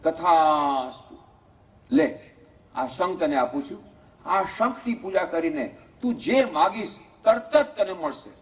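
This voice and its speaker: A man voicing a solemn sea god who grants wishes in slow, grave pronouncements. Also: fairly high pitch, lively intonation. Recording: muffled lo-fi lecture recording.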